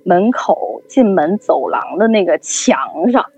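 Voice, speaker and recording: A woman telling a story in casual chat, lively and acting out the people she quotes. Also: mid-range voice, slow, breathy edge. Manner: animated storytelling, acts out quoted voices. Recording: dull lo-fi recording.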